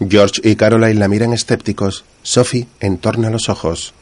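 A man's voice: fairly low pitch, level tone, moderate pace, darkish tone. A man narrates on-screen action as scripted audio description.

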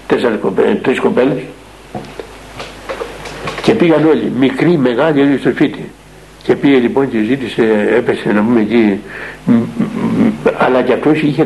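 Gravelly-voiced older monk telling a story. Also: male voice, medium pitch, darkish tone, rough recording. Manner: rambling, earnest, with many fillers and restarts. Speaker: monastic elder and spiritual father. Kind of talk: storytelling in a radio interview.

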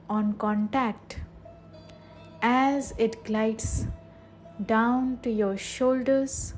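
A woman leading a guided meditation in a soothing, measured way, leaving long pauses between short phrases. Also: on the high side, a little mellow.

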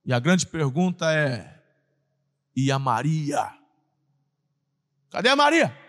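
A Brazilian man preaches a sermon with a high, very lively voice. He acts out voices and breaks into sudden shouts. The sound rings with a long hall reverb. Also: slow. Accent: Brazilian Portuguese. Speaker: pastor.

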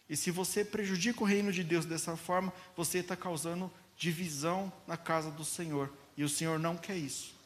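A man preaching a sermon as a pastor, speaking mildly and deliberately, often calling his congregation "dear ones". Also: fairly high pitch, fairly even intonation. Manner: slow, gentle delivery addressing listeners as "queridos".

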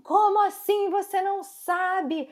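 A woman voicing a rude, impatient female subway attendant who keeps shouting. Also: very high-pitched, steady tone, takes it slowly, pitched above the performer's own voice. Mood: shouting impatiently. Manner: yelling, impatient, insistent.

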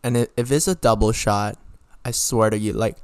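A man's voice: on the low side, steady tone, moderate pace, clean tone, no echo, studio quality. A young man from Hong Kong vlogging his opinions in a casual, rambling way, bluntly swearing and often rephrasing himself. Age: young adult.

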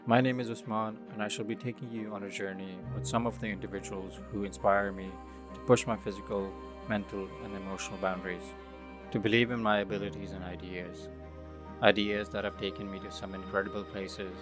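A male podcast host calmly reading a scripted introduction to his show. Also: on the low side, a little fast. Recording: voice over background music.

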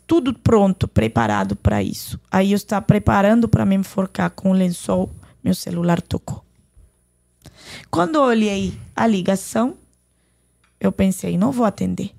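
Woman with a gravelly voice. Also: mid-range voice, darkish tone. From Lebanon. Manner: earnest storytelling, retelling dialogue. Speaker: podcast guest. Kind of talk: personal faith testimony.

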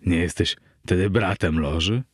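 A man's voice: deep voice, normal speed, husky, no room sound, clean studio sound. Man voicing a tipsy wine connoisseur. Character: tipsy boastful male wine connoisseur, coughing.

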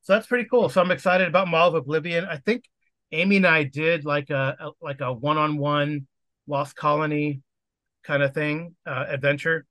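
A man's voice: fairly high pitch, steady tone, normal speed, pushed and bright, no room sound. A man hosting and running a tabletop game, chatting casually over a video call, rambling with lots of fillers. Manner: rambling, with many fillers and restarts. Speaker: game master and podcast host. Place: home setup on a video call.

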